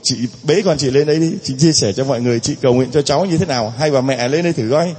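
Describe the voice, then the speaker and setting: A man's voice: mid-range voice, rapid-fire, a little mellow, husky, in a large hall. A male Catholic priest preaching a sermon, emphatic and dramatic, driving points home with rhetorical questions. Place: church.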